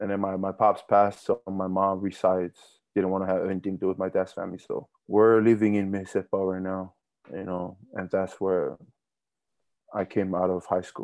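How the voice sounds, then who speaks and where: Against a quiet background, a man with a very deep, low pitch speaks at a moderate pace in a monotone, flat intonation, with long, frequent pauses. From Samoa. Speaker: pro football player. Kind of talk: interview. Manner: casual, many fillers.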